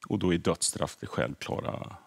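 A middle-aged history podcaster with a low, creaky voice explains things earnestly during a TV interview, often repeating words as he thinks. The setting is a morning show studio.

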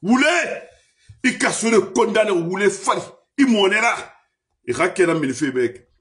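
A man delivering an impassioned political rant, shouting accusations and dropping low again. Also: expressive, normal speed, far from the mic. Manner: shouting accusations, swinging between loud and low. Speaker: political commentator.

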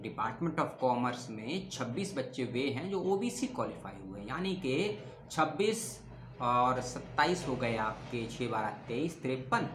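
A man of middle pitch talks in a loose, chatty way, working through long lists and stopping to fix his own mistakes out loud. He calls his listeners brother. The room around him rings with a noticeable echo. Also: very animated, measured pace, background noise. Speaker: education channel host. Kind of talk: casual informational talk reading out lists. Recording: roomy echo.

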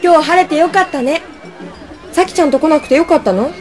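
A woman's voice: high-pitched, quick pace, a little mellow, soft background music, a faint crowd, lightly acted. A young woman playing a caring, cheerful university student in an amateur radio drama. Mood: bright, concerned. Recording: clear ambient noise behind.

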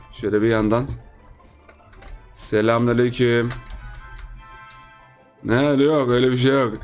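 A man giving casual, playful commentary as he plays a video game, teasing the other players and chatting with his viewers. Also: medium pitch. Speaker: gaming YouTuber. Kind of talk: casual let's-play commentary.

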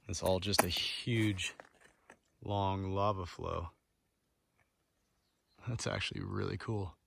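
A man in his thirties vlogging a fishing road trip, thinking aloud in a relaxed, easygoing way with frequent fillers, filmed on a handheld camera outdoors and in a truck. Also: sits low, slow, vocal fry, breathy edge. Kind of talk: casual outdoor vlog narration. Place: outdoors on a lake and in a truck cab. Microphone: action camera or phone held close. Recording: loud wind and engine noise.

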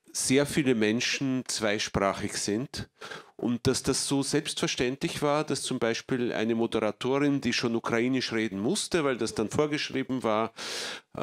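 Slow, low-voiced man in a theater. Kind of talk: panel discussion. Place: theater hall, indoors. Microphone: handheld microphone.

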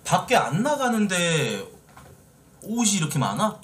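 Man, 30s, live-stream host, chatty and teasing; lively delivery, light background noise. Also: high-pitched, unhurried. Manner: talkative, teasing, addresses viewers directly. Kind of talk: casual live-stream chat with viewers. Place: indoor streaming room, seated in office chair.

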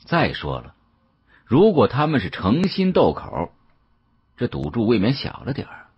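Male audiobook narrator, strongly husky, dull recording, dramatic first-person delivery. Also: mid-range voice, huge pitch swings, unhurried.

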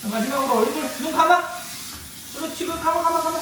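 High-voiced man coaxing a kitten. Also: fast. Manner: coaxing, playful baby talk to a kitten. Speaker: vlogger, kitten owner. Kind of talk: casual vlog chatter. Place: home indoors. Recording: echoey room with faint noise.

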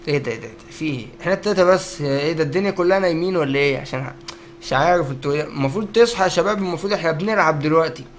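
A young Egyptian man races through excitable, joking gameplay commentary and keeps turning to his viewers. His speech is quick, and a faint hiss of noise sits under the voice. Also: on the high side. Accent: Egyptian Arabic. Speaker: gaming YouTuber. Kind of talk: let's-play commentary.

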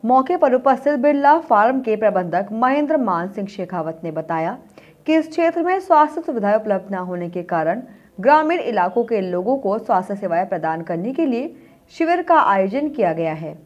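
A young woman reads the news from a studio desk. Her voice sits at a middle pitch and her delivery is formal, steady and scripted, in the manner of a regional news anchor. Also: brisk, muffled recording. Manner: formal, even newsreader delivery. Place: studio with virtual set.

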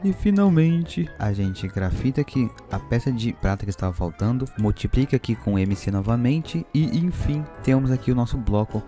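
A man's voice: mid-range voice, dark tone. A man with a Brazilian accent giving casual, slangy, playful commentary on his gameplay as a gaming host. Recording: music behind the voice. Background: music.

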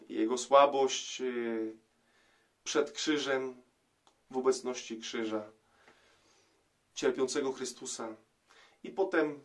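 Slow, reflective priest giving a homily. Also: male voice, mid-range voice. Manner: slow, reflective, with many hesitation sounds. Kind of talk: gospel commentary homily. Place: small indoor room, plain wall.

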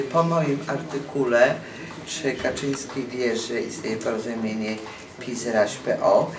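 A woman's voice: extremely low pitch, noisy background. An older woman journalist giving an indignant statement to camera, asking rhetorical questions with frequent hesitations. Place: court building corridor, indoors. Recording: roomy corridor echo, voices from far off.

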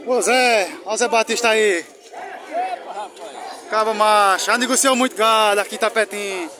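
A man's voice: sits high, normal speed. A man, vlogging casually as he walks an outdoor market, chatting and joking with people he greets. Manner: chatty, greets passers-by, jokes. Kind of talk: casual walking vlog. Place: busy outdoor street market. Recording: outdoor crowd noise. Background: market crowd chatter.

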